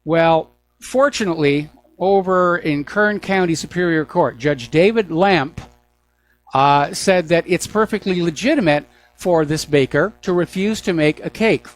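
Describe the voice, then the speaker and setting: Older man, American accent, slightly high pitch, talk radio host, opinionated news monologue, deliberate pauses. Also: low-quality recording. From United States.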